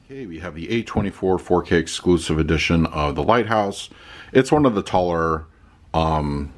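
This thirtysomething man has a low, expressive voice and speaks at a moderate pace as he reviews a movie disc at home, shelves of discs around him. He talks loosely for a while and then reads out his written review.

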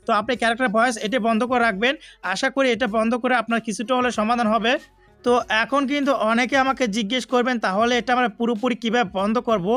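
Very high-pitched, fast-talking man. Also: fairly bright tone, dry recording. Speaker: gaming tutorial host. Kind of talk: casual tutorial voice-over.

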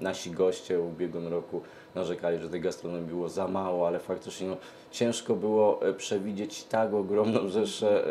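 A middle-aged man answers interview questions hesitantly, pausing often mid-sentence. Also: sits low, warm tone, a little hiss or hum. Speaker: event organizer, interview guest. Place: TV studio, seated at a glass desk. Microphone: lapel mic.

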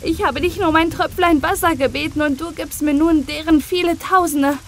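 A woman's voice: high voice, measured pace, a little hiss or hum, pitched above the performer's own voice. A woman voicing a frightened, pious young boy who pleads in tearful prayer, in an audiobook reading. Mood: joyful.

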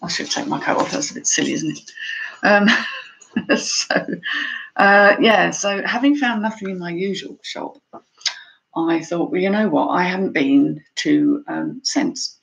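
A woman's voice: fairly low pitch, measured pace, vocal fry, rough recording. A woman chatting casually on a live stream from home, a little out of breath and greeting viewers by name. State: slightly out of breath. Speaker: reseller vlogger. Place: home room by a window.

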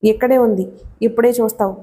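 A woman's voice: on the high side, steady tone, fairly quick, dark tone, lightly acted. Sitapati, a woman reading him as a bitter menacing husband. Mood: cold. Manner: cold, heavy, taunting delivery. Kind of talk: audiobook character reading.

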